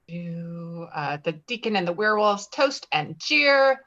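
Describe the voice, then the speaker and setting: A woman reading screenplay directions at a table read in a plain, halting way. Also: on the low side, animated, pushed and bright. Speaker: stage directions reader. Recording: slightly dull, lo-fi audio.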